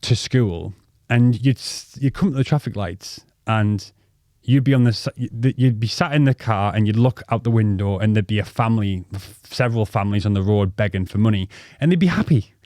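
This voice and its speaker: A thirties-aged man from North East England, with the region's accent, co-hosts a podcast and rambles through life stories, swearing, umming and restarting as he goes. His voice sits on the low side with a dark tone, and he talks briskly with hardly any pauses. The recording is studio quality with no room sound.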